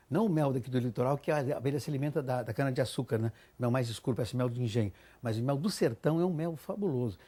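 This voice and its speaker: In a very clean recording with a silent background, a man talks at a very fast pace in a dark, mellow, somewhat breathy tone. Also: medium pitch for a man, ordinary pitch variation. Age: 70s. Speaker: doctor. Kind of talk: TV interview.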